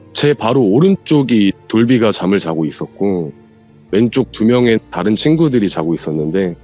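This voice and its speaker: A man's voice: mid-range voice, dull audio. A man guest on a horror radio show, casually telling a true ghost story and acting out the lines people said. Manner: animated, acts out quoted lines from the story.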